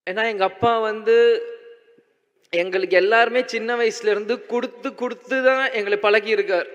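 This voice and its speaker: Young man, tearful halting stage speech, high voice, muffled reverberant hall sound. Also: fairly even intonation, a bit bright. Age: young adult. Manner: halting, choked up, restarts often. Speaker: speaker at a memorial gathering. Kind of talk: emotional public speech. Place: large indoor stage. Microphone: handheld mic on a stand.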